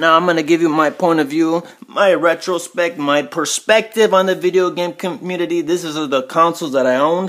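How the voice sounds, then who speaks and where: A man's high-pitched voice at a fairly quick pace, with ordinary pitch variation and hardly any pauses. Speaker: gaming vlogger. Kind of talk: video monologue. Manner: put-on formal, over dramatic delivery; stutters, says um often.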